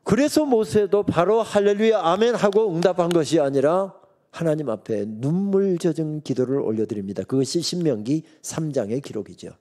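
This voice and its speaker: Middle-aged male preacher, mellow tone, wide expressive swings, humorous storyteller, pulpit mic in a sanctuary. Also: a little high, moderate pace. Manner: storytelling preacher who acts out God's and Moses' lines with humor. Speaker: guest pastor preaching at a revival meeting. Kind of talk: sermon. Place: church sanctuary.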